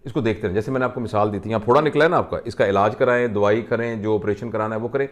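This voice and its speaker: A man, a doctor, calmly counseling a patient and explaining with simple everyday examples. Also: on the low side.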